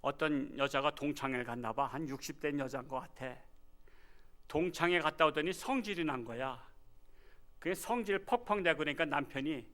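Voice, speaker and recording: Man, pastor, sunday sermon, bright sharp voice, folksy jokes with the congregation. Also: fairly high pitch, moderate pace. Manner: animated, swinging from loud exclamations to quiet asides.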